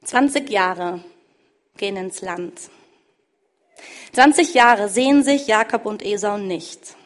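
A woman preaching, retelling a scripture story emphatically, swinging between loud stress and hushed endings. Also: mid-range voice, slow pace.

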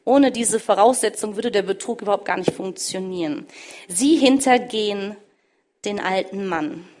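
A woman preaching, retelling a scripture story emphatically, swinging between loud stress and hushed endings. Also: mid-range voice, moderate pace.

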